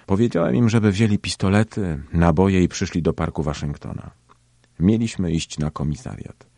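A man reading a first-person story aloud in a steady, measured way. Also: deep voice, no echo. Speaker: audiobook narrator.

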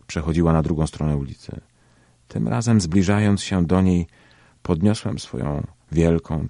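A man reading a first-person story aloud in a steady, measured way. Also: rumbling low, vocal fry, no room sound, clean studio sound. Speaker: audiobook narrator.

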